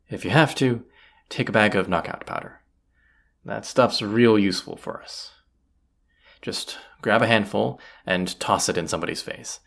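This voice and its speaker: A performer voicing a folksy, plain-spoken bandit leader in an audio roleplay, with a gravelly, husky voice and a conversational, wry manner. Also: deep voice, full character voice. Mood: instructing, watchful. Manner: folksy, conversational, hushed at times. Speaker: character voice actor. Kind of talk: immersive audio roleplay acting, addressing the listener.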